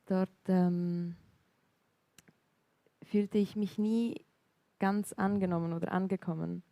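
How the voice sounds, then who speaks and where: A young woman with a Swiss accent tells her story slowly and thoughtfully, pausing often. Her voice sits low and mellow, and the sound is dry and close. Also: steady tone, no echo. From Graubünden, Switzerland. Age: young adult. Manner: soft, hesitant, reflective, with frequent pauses and fillers. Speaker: guest sharing her life story. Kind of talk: personal testimony interview in a church service. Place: church stage.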